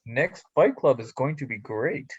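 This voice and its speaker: A man's voice: mid-range voice, animated, unhurried, husky, no echo, muffled recording. A man doing an amateur staged reading of wrestling promos, with casual asides, over an online call.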